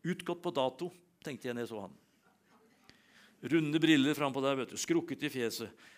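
A middle-aged man preaching a sermon and telling personal stories, animated, swinging between loud emphasis and quiet asides. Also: medium pitch.

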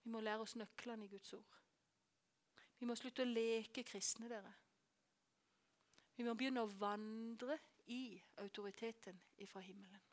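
A woman preaching a sermon, telling a story with animation and dropping to hushed whispers for emphasis. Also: on the high side, steady tone, long pauses. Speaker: preacher and course teacher.

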